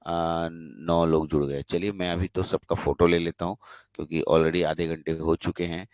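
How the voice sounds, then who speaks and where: A young man with a very low voice leads a live online polytechnic class, speaking Hindi with a Bihari accent. He slips English technical terms into his explanations and keeps asking his students whether they follow. The sound is dry and close, with no room around it. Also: no echo. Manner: explains in Hindi mixed with English, checks in with frequent questions. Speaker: polytechnic teacher.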